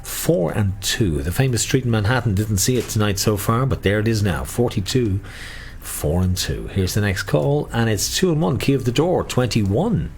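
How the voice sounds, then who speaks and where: A man's voice: fairly low pitch, expressive, moderate pace, darkish tone, a little hiss or hum. A middle-aged Irish man working as a bingo caller, calling numbers in a sing-song way with repeats and mixing in casual chat.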